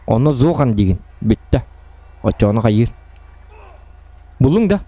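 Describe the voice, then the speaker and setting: A man banters casually and playfully during his stream of an online role-play game, asking things and repeating himself as he improvises. His medium-pitched voice is very animated, unhurried and dark. There's no room sound.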